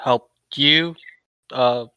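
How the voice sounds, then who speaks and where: A man's voice: medium pitch, very slow, sharp tone, smooth, no room sound. A young man hosting a casual chat, asking curious probing questions.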